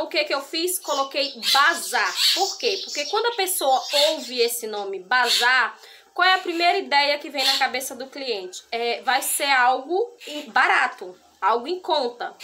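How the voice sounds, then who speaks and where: A woman's voice: sits high, noisy background. A woman in her thirties from Brazil, chatting to camera outdoors by a brick wall, explaining things step by step with plenty of fillers. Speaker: crochet vlogger. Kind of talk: casual talk to camera.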